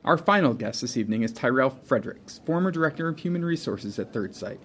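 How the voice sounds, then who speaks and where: An actor playing an earnest radio interviewer in an audio drama, asking formal, pointed questions. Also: male voice, mid-range voice, animated, quick pace, a bit bright, close to an everyday voice. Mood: inquiring. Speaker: interview show host.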